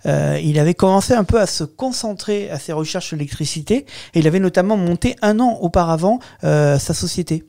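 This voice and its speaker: Man, slightly high, mellow tone, co-host who chips in with context. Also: animated, a little fast, gravelly, hardly any pauses. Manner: interjects to add context and comments. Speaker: podcast co-host. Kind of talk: casual history chat.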